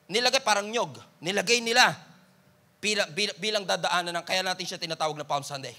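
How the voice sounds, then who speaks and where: Male Filipino pastor, high and crisp-edged with gravel in the voice, full sermon delivery. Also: brisk, bright, forceful tone.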